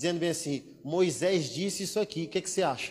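A man with a high voice at a moderate pace, animated in tone, with ordinary pitch variation. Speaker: preacher. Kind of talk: sermon, preaching to a congregation with scripture reading and teaching. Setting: church. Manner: animated, conversational, humorous asides.

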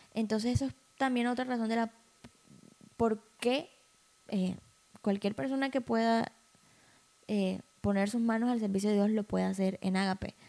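Speaking at a moderate pace, a woman with a dark, mellow tone keeps a medium pitch and fairly even intonation. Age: 20s. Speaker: pastor. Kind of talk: casual chat.

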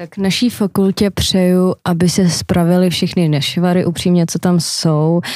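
With hardly any pauses, a woman speaks at a fairly slow pace in a dark, mellow tone, her fairly low pitch following fairly even intonation, in a dry, close sound with no echo. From Ukraine. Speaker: university student. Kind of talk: casual chat. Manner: hesitant, with fillers.

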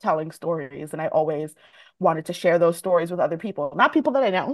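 A woman with an American accent, medium pitch and lively intonation, an ordinary speaking voice. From Jamaica, raised in the US. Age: 30s. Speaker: author. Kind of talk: casual interview chat.

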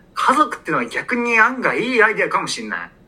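The speech moves at a fairly quick pace with noticeable background noise. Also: man. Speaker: podcast co-host. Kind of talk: casual chat.

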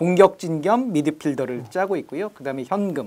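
A man's ordinary speaking voice at a moderate pace, with ordinary pitch variation, on a very clean recording with a silent background. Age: 50s. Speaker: stock investor and author. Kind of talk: interview.

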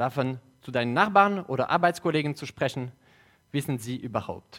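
A man's fairly high-pitched voice with lively intonation at a moderate pace. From Switzerland, French-speaking. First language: French (speaking German). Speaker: lay preacher. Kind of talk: sermon. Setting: church service, also streamed online.

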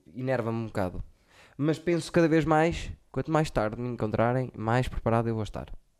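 This is a normal speaking voice from a man at a moderate pace, with ordinary pitch variation. The recording is very clean, with a silent background. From Guarda, Portugal. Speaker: podcast host and comedian. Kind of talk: casual comedy chat.

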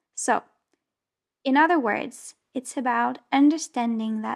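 A woman's high-pitched voice with a non-native accent, dry and close with no echo. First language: not English. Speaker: podcast host. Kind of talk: solo reflective monologue.

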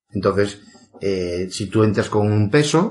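A man's voice comes through fairly low and somewhat breathy. His intonation is lively. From Andalusia (Chiclana, Cádiz). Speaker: dialysis patient and salesman. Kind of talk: interview. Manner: halting.

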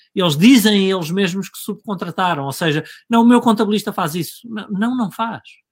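In a European Portuguese accent, a high-pitched man speaks at a moderate pace with ordinary pitch variation on a very clean recording with a silent background. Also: big swings in loudness. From Portugal. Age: 50s. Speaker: business consultant. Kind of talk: casual interview. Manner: hesitant, many fillers and repetitions.

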